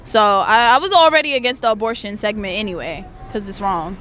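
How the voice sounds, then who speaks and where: A woman's voice: medium pitch, fairly quick, sharp tone, slight background noise. A woman giving casual, blunt opinions in a street interview. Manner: colloquial, blunt. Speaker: passerby interviewee. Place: outdoors on a busy city sidewalk. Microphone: handheld interview mic. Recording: busy city street ambience.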